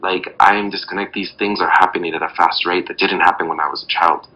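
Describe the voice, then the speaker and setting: A man's voice: low-pitched, fairly even intonation, quick pace, bright, forceful tone, rough recording. A young man from Mexico, chatting as a podcast guest over a video call, rambling and hunting for words with lots of fillers. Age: young adult.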